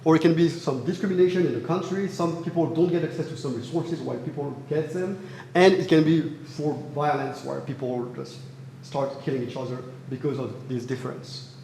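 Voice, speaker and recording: Young French-accented student presenter, slightly high voice, echoey hall with long reverb. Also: male voice, a little fast, creaky, warm tone, a little hiss or hum. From France. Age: young adult. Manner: earnest, with frequent fillers and restarts. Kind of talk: academic thesis presentation. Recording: roomy hall reverb, faint ambience.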